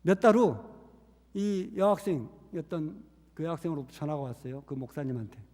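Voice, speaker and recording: High-voiced man preaching in an echoing church. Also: animated, fairly quick, a little mellow. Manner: earnest storytelling, acting out quoted voices. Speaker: missionary preacher. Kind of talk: sermon with storytelling. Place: church sanctuary. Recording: reverberant church hall.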